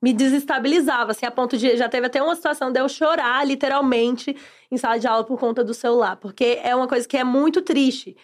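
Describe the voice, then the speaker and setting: A Brazilian woman, a former teacher and podcast guest, telling classroom stories in lively casual chat and acting out voices. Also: sits high, quick pace. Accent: Brazilian Portuguese.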